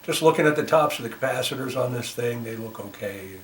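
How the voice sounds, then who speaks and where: A man giving a casual hands-on repair demonstration as a volunteer technician, talking haltingly and thinking aloud as he works. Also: medium pitch, a bit bright. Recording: roomy, noisy, distant microphone.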